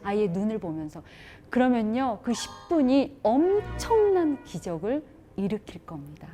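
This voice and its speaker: Brief: lively female parenting lecturer, warm mellow voice, rhetorical questions to the audience. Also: medium pitch, slight background noise. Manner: animated, rhetorical questions, acts out scenes. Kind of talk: lecture to working mothers.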